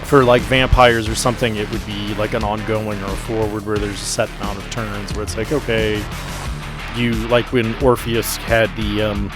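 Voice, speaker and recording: A man's voice: fairly low pitch, level tone, moderate pace. A man casually coaching others through tabletop game rules, instructive with some dry teasing. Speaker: experienced player coaching the game master. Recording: music playing behind the voice.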